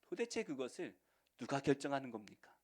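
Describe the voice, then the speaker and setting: A man preaching a sermon as pastor in a church, swinging between loud proclamations and hushed, near-whispered lines. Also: mid-range voice, sing-song, a little fast, breathy edge. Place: church sanctuary.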